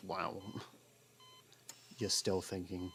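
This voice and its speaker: Casting: male actor for a sarcastic, guarded convict man in ASMR drama, deep voice with heavy fry, faint noise behind. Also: flat delivery, extremely slow, a bit bright, full character voice. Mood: dry, teasing. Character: sardonic, guarded jailbird man, reluctantly worried about partner. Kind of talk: ASMR roleplay, intimate dramatic monologue.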